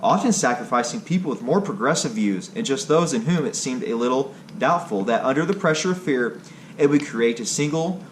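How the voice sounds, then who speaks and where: A man reading a scripted history narration aloud, somewhat haltingly. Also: medium pitch. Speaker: video creator and narrator. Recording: clearly noisy background ambience.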